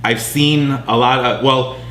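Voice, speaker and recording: A man's voice: mid-range voice, steady tone, a little slow, fairly bright tone, reverberant, a little hiss or hum. A man who grew up near Chicago hosting a podcast interview, talking in a friendly, rambling way. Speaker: podcast host. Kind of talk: casual interview.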